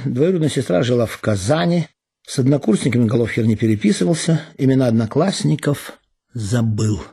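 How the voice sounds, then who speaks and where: A male actor reads prose aloud with measured, expressive pacing and deliberate pauses. His voice sits at an ordinary middle pitch. Music plays clearly underneath the reading. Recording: reading over background music.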